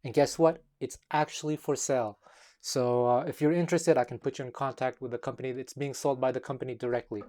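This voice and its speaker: A man from Montreal whose first language is Taiwanese speaks to the camera in a measured video essay. He chooses his words carefully and often pauses on um and uh. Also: mid-range voice, steady tone, dark tone. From Montreal, Quebec, Canada. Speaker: guitar teacher and musician.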